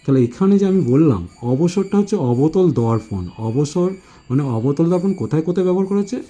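A male tutor from West Bengal working through exam answers, repeating key words slowly and giving memory tricks. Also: a little high, dark tone, slightly rough.

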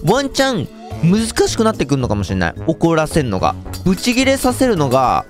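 Excitable young man playing a game. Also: on the high side, a little fast, soft background music. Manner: excitable, jokey, talks to viewers. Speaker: gaming YouTuber. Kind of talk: game commentary.

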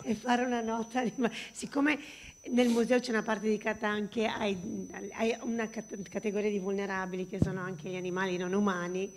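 A middle-aged woman speaking haltingly and conversationally in a panel discussion, into a handheld microphone on an auditorium stage. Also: medium pitch, little pitch movement. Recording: noisy hall with hum.

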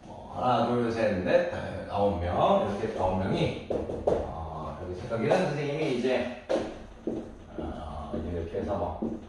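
A middle-aged man teaching a math lesson to young children. He refers to himself as the teacher and counts aloud slowly while drawing. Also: on the low side, sing-song, heavy background noise. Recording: echoey room, voice from a distance.

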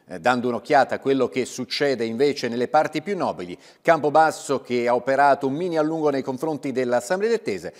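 Male sports host in a reverberant studio. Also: medium pitch. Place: indoor TV studio. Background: music.

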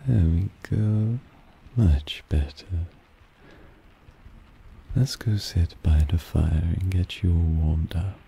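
Rain patters in the background as a man gives an exaggerated performance of a smooth, possessive vampire fussing over and teasing his pet, his purring affection laced with condescension. The voice is low-pitched, slow, creaky and dark, broken by frequent pauses. It's an ASMR roleplay spoken to the listener, with a doting, amused mood.

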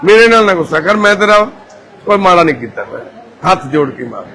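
A man with a fairly high, bright and forceful voice talks quickly as a volunteer social worker. He placates and coaxes, repeating short soothing phrases over and over. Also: sing-song, rough recording. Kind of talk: coaxing, calming talk.

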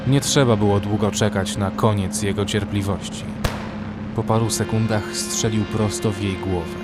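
Male first-person horror narrator, slightly deep, dramatic scripted read with music underneath. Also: fairly even intonation, moderate pace. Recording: music behind the voice.

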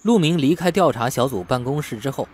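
A man's voice: mid-range voice, animated, a little fast, slight background noise. A man narrating a novel as a scripted audiobook.

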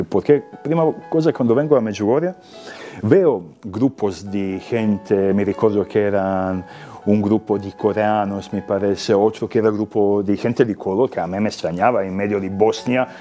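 A young Serbian man with a Serbian accent, speaking Spanish as a second language and giving a halting personal testimony full of repeated words. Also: fairly low pitch, dark tone. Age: young adult. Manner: halting, repeats words, non-native grammar. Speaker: testimony giver.

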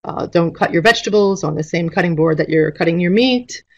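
Speaking from an indoor room on a webcam video call, a middle-aged woman teaches through an informal instructional presentation. Her voice is lowish and a little fast, and the recording sounds muffled.

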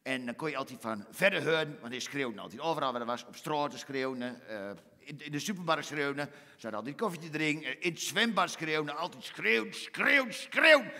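A man with a Twents accent delivers an exaggerated, mock-solemn comedy bit from a theater stage. His voice is bright and a little high. The live hall adds long reverb and faint music. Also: lively intonation, a little fast, few pauses.

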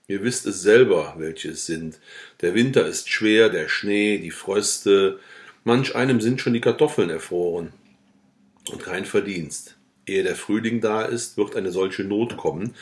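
A man reading the lines of a worried old village man who earnestly pleads for the hungry poor. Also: deep voice.

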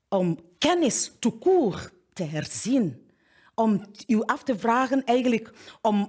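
A middle-aged woman giving a keynote talk to teachers, gesturing a lot and often restarting or repeating words as she searches for them. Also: a little high. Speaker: keynote speaker. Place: studio in front of a plain backdrop.

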